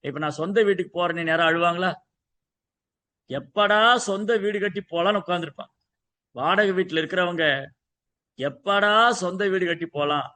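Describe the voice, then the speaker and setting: A man's voice: high voice, sharp tone. A man speaking, giving a devotional scripture talk full of rhetorical questions and repeated lists. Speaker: Gita teacher. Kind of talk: devotional discourse.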